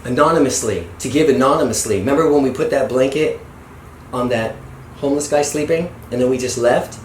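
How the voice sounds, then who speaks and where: A man's voice: mid-range voice, brisk. A middle-aged man reading a self-help book aloud as a father to his son, with encouraging asides and some stumbled, repeated lines. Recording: echoey room with background noise.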